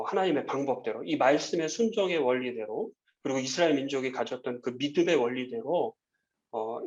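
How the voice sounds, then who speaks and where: A man teaching a Bible lesson to children, gently asking them questions and often pausing on "uh.". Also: mid-range voice, dull audio. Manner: gentle, asks the children questions, frequent "uh" fillers. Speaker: Sunday school teacher.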